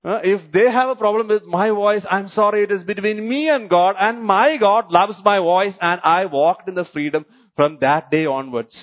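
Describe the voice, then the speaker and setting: High-voiced Malayali preacher, lo-fi recording. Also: male voice, normal speed, few pauses. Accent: Malayali Indian English. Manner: checks in with the congregation through repeated short questions; repeats key phrases and restarts his sentences. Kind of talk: sermon. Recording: dull lo-fi recording.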